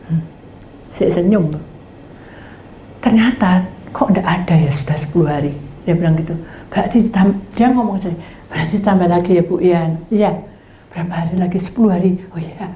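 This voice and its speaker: Low-voiced woman pastor telling a story. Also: normal speed, pauses often. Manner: animated storytelling, acting out both sides of conversations, drops to whispers. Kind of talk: storytelling sermon. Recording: echoey room with faint background noise.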